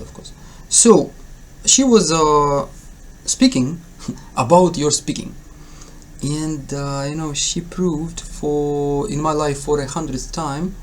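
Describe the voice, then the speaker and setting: With a somewhat high voice and slight background hiss or hum, the Ukrainian English-test tutor addresses his viewers informally on camera. His accent is Ukrainian, and he hesitates, uses many fillers, and revises himself while cheering them on.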